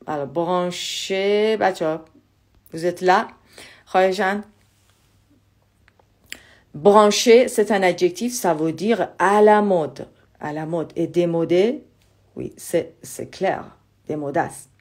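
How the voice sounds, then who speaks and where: A woman teaching French in a live online lesson, repeating phrases slowly for students and explaining in quick asides. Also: fairly low pitch, darkish tone. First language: Persian.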